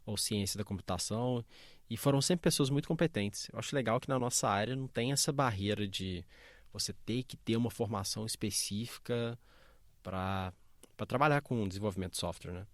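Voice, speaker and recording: Upbeat host, dry close sound. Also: male voice, on the low side, a little fast, no room sound. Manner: upbeat, friendly, asks open questions. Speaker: podcast host. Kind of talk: podcast interviewing.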